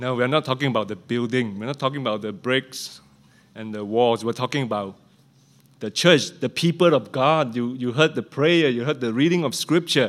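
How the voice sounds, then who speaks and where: This man talks at a fairly quick clip with a non-native accent, at a medium pitch. His pitch varies in an ordinary way, and the recording is very clean against a silent background. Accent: noticeable foreign. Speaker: visiting preacher. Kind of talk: sermon. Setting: church. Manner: hesitant, with fillers.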